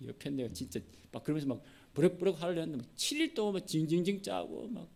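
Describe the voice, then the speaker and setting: A man's voice: fairly high pitch, lively intonation, very fast, gravelly, a little mellow. A man preaching an expository sermon, telling the story vividly and acting out the characters' lines.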